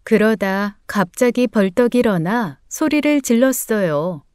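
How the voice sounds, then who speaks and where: A woman's voice: medium pitch, lively intonation, unhurried, a little mellow, smooth, no room sound, clean studio sound. A woman narrating a first-person story with dramatic, emotional storytelling.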